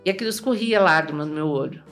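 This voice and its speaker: A Brazilian woman as an interview guest, telling a personal story in a lively way, acting out remembered dialogue and often tagging her sentences with "né?". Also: deep voice, fast talker, soft background music. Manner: lively, acts out remembered dialogue, tags lines with "né?".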